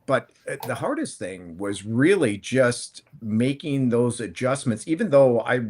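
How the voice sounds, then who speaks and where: A man's voice: medium pitch, animated, unhurried, a little mellow. A man in his fifties, a guest on a panel, telling his story in a rambling, conversational way with many restarts. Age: 50s. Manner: rambling, conversational, frequent restarts and self-corrections. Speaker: panel guest, plant-based food entrepreneur. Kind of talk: casual panel chat.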